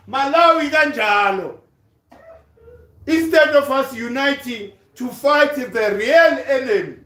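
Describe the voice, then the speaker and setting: A man speaks very slowly in a Zulu accent at an extremely high pitch, with ordinary pitch variation. Audible room echo surrounds his voice. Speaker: Pan-African activist speaker. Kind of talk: political talk mixing English and Zulu. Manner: animated.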